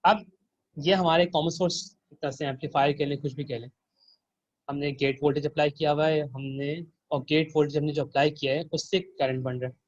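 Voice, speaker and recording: A man's voice: a little high, steady tone, a little fast, no echo, lo-fi sound. A man working as a teaching assistant, walking students through a circuit simulation and quizzing them with questions.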